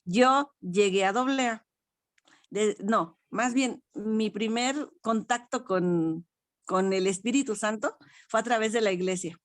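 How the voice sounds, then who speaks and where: A woman's voice: mid-range voice, unhurried, dry recording, clean studio sound. An older woman with a Mexican accent, sharing a personal spiritual testimony in a frank, self-deprecating way and laughing often. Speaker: study group participant.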